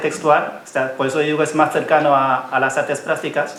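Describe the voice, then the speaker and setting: Noticeable background noise and audible room echo surround a man speaking at a moderate pace in a fairly high pitch. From China, Wenzhou region. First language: Wenzhou dialect (Chinese) (speaking Spanish). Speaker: playwright and poet. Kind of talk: panel discussion. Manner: halting, with false starts.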